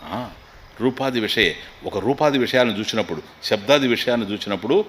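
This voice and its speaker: A man giving a scriptural discourse as a swami. He chants Sanskrit lines slowly, then explains them quickly with humor. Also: on the low side, expressive, fairly bright tone.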